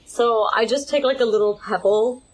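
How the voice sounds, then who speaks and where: A woman's voice: a little high, normal speed, a little hiss or hum, rough recording. A woman playing a tabletop game, casually improvising what her character does and peppering it with "like".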